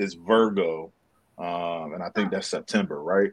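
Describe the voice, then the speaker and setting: Using an ordinary speaking voice, a man talks at a fairly slow pace with ordinary pitch variation. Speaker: podcast co-host. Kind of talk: casual banter.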